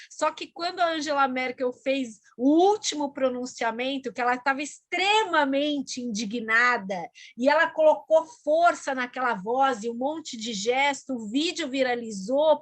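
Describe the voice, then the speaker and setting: High-voiced woman explaining calmly. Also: dry recording. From Brazil. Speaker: speech therapist. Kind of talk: explanatory panel talk.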